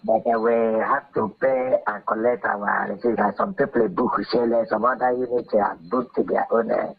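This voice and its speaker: A man answering questions haltingly in a recorded phone voice message, full of fillers and restarts. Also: fairly low pitch, steady tone, vocal fry, slightly rough. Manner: hesitant, halting, many fillers. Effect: played-back voice message. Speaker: party member questioned in a call. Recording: tinny phone-line voice note.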